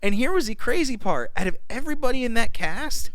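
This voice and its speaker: Dry, clear-voiced man riffing. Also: very high-pitched, big pitch swings, a little fast, a bit bright, no room sound. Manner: rambling, laughs often, riffs with jokes. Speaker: podcast co-host. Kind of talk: casual chat.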